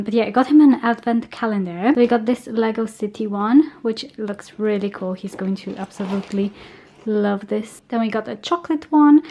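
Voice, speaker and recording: A young woman vlogs her routine in a bright, slightly high voice. She gushes warmly over small things and fills her pauses with casual "um"s. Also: reverberant. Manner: chatty, gushing, many fillers. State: pregnant. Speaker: vlogger. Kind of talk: casual vlog chat.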